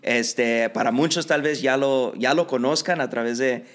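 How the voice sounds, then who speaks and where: A man hosts a podcast with an easygoing voice at an ordinary middle pitch. He speaks in a loose, friendly way, full of fillers, and drifts between two languages. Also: normal speed. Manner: relaxed, many fillers, mixes Spanish and English. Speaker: podcast host. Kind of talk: casual bilingual interview.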